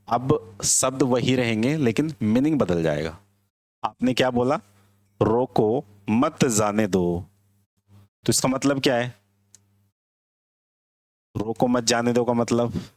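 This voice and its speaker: A man teaches a classroom English lesson and speaks in an unhurried, measured way. He checks in with his students again and again. His voice sits close and dry, with almost no room sound. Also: mid-range voice, expressive, no echo. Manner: explains slowly, checks understanding with questions. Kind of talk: classroom lecture.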